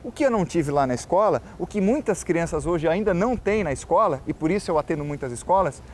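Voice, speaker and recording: A man's voice: fairly high pitch, lively intonation, quick pace, a little hiss or hum. A man from Florianópolis with a local manezinho accent, a tour guide and journalist talking earnestly in an interview and explaining his points. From Florianópolis, Brazil. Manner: earnest, explanatory, addresses the host by name. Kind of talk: casual interview talk.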